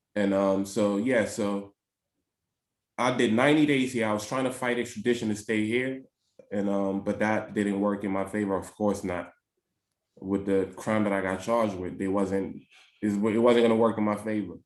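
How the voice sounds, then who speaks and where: The speaker has a New York accent and talks at a moderate pace with fairly even intonation. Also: man, fairly low pitch for a man. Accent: New York American. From US Northeast, New York and Connecticut. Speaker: former prisoner. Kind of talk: interview podcast.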